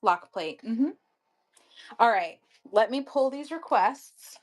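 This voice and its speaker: A woman's voice: on the high side, lively intonation, takes it slowly, low-quality recording. A woman hosting a casual live online auction from home, chatty and upbeat, thanking bidders as she goes. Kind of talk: casual live-selling chat. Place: home at night.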